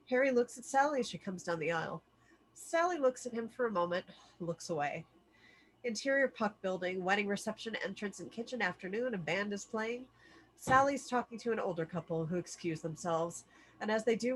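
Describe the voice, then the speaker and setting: The recording is low quality, capturing a woman with a mid-range, fairly bright voice. She is the stage-direction reader at a screenplay table read, narrating scene headings and action lines as scripted.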